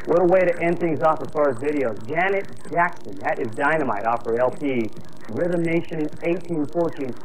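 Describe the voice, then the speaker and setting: A young man hosting a music video countdown on a TV studio set. His voice sits a little high, and he delivers punchy, energetic announcer patter. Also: normal speed, a little hiss or hum, poor audio. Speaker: music video show host. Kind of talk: upbeat TV presenter patter. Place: TV studio set, seated in director's chair.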